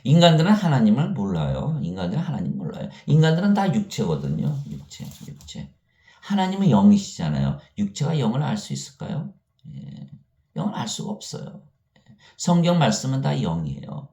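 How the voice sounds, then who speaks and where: Male preacher, sermon delivery with rhetorical question-and-answer, animated pitch, reverberant room. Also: a little fast. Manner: asks the listeners questions and answers them himself; quotes scripture in an elevated tone. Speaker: pastor.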